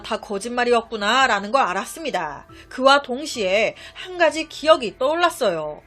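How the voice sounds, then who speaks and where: A woman narrating a true-crime story in a chatty, expressive, conversational way. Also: a little high.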